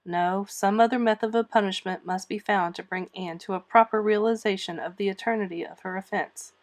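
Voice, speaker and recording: A woman reads a children's novel aloud. Her voice sits at a middle pitch. The narration is expressive and scripted, in the manner of a storybook reader. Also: fairly quick.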